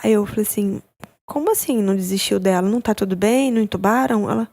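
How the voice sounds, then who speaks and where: A young adult woman, giving an emotional personal account as a podcast guest, halting and repeating her words. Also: mid-range voice, darkish tone. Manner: halting, with many repeated words and tag questions.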